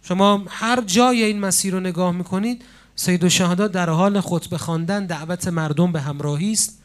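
Impassioned high-voiced male preacher. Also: clean tone. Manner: impassioned, with dramatic pauses and sudden swings in loudness. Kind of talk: religious sermon.

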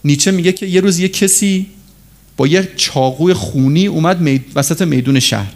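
Male preacher giving a sermon, punchy and emphatic, lots of rhetorical questions, kinda high voice. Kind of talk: religious sermon.

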